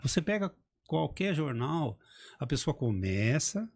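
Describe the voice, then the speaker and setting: Middle-aged male speaking coach, emphatic and animated, lively pitch, slightly husky tone. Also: a little slow. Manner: animated, emphatic, acts out examples. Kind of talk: casual podcast chat.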